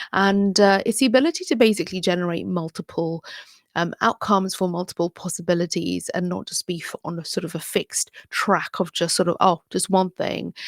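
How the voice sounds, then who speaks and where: At a fairly quick pace, a woman talks at a medium pitch in a plain, everyday voice. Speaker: PR consultant and content creator. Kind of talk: casual talking-head monologue. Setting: home desk with camera. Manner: many fillers (um, sort of).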